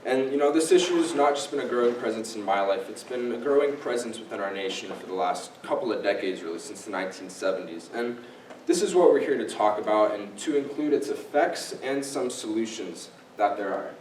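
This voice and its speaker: A young man in his late teens gives an informal talk, walking listeners through points with casual fillers like "first off" and "you know." His pitch is ordinary for a man. The sound comes from a distant mic in a reverberant room with faint background hiss. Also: brisk, darkish tone. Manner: explanatory, casual fillers, signposting. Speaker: guest speaker. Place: library event room.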